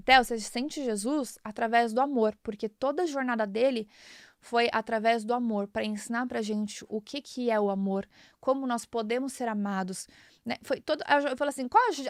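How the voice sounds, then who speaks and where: A woman's voice: fairly high pitch, no room sound, clean studio sound. A woman in her thirties with a Brazilian Portuguese accent, hosting a podcast and sharing a personal faith testimony in an earnest, emotional way, often repeating herself. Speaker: podcast host.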